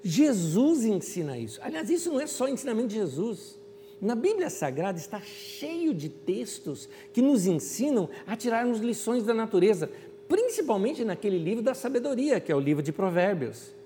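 A man's voice: high voice, big pitch swings, moderate pace, mellow, in a large hall, slight background noise. A man preaching a conversational sermon, reflective and asking his listeners rhetorical questions. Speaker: pastor. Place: church.

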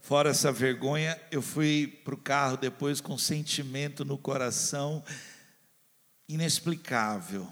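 Male pastor, expressive preacher, gravelly voice, long church reverb. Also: mid-range voice. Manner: expressive storyteller, acts out voices, slows for emphasis. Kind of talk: sermon with a personal story.

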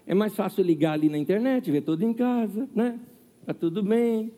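Guy pastor preaching a sermon, high voice, kinda husky, big church echo. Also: moderate pace. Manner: lively preaching with rhetorical questions and acted quotes. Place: church hall. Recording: long hall reverb.

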